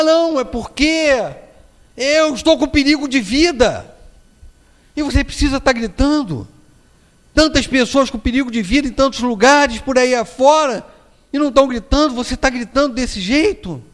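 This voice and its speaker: A Brazilian man giving a spiritist public lecture, telling anecdotes and acting out the voices of the people in them, with frequent tag questions. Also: high voice. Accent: Brazilian Portuguese. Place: lecture hall. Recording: long hall reverb.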